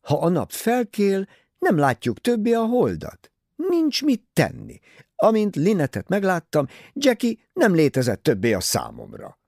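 A man's voice: sits high, vocal fry, dry recording, studio quality, pitched above the performer's own voice, full character voice. Simon Doyle, a man voicing a nervous young husband. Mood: agitated. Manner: excited, pleading outbursts.

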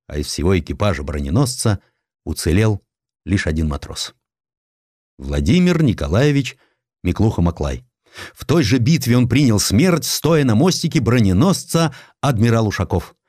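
A man narrating a historical audiobook dramatically and theatrically, with deliberate pauses. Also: lowish voice, a little mellow, dry recording, studio quality.

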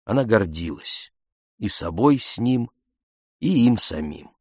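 A man narrating an audiobook in a measured, even storytelling manner into a close studio mic. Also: fairly low pitch, no echo.

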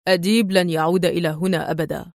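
A woman voicing a stern, sharp-witted Arab agent man who talks in a curt, firm way. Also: high-pitched, fairly quick, no room sound, studio quality.

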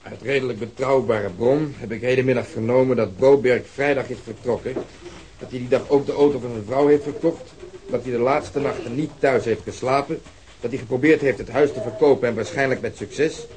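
An actor playing a sardonic police detective in a radio drama, sharply ironic and pointed. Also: male voice, medium pitch, fairly quick, darkish tone, natural voice.

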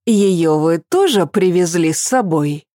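A woman's voice: lowish voice, expressive, unhurried, mellow, no room sound, studio quality. A woman doing a grumbling, fretful mother. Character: fussy, worried middle-aged mother.

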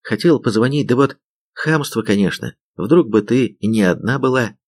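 A man's voice: medium pitch, animated, moderate pace, darkish tone, natural voice. Man doing a hesitant, apologetic young guy.

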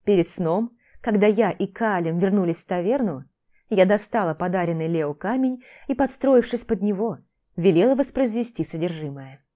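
Mellow-voiced woman reading a fantasy novel. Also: mid-range voice. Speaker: audiobook narrator. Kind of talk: first-person fantasy audiobook narration.

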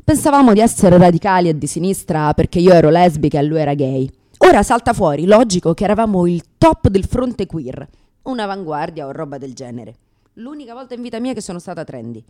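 Actress playing a brash, highly animated lesbian comedian. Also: female voice, fairly quick. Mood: wry, ironic. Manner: sardonic, exclamatory, crude, self-mocking. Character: brash, neurotic lesbian comedian facing unexpected motherhood. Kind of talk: theatrical comic monologue for radio.

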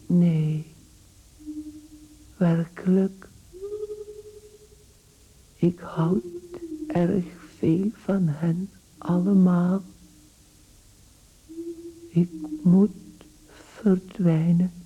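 An actor playing a gentle, resigned, dying man-turned-beetle in a radio play, with a weak, breathy, husky voice. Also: mid-range voice, level tone, extremely slow, pauses often, exaggerated voice. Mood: weary, tender. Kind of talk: intimate radio play monologue. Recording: muffled, band-limited radio recording.

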